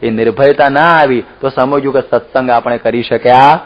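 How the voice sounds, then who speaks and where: A man's voice: medium pitch, steady tone, normal speed, dull audio. A man giving a religious discourse as a preacher, telling stories with acted-out quotes and laughs.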